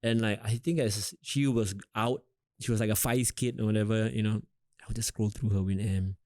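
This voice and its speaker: A young adult man from Singapore with a Singaporean English accent, a rapper talking casually in an interview, relaxed and rambling with lots of fillers. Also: on the low side, normal speed, no echo, clean studio sound.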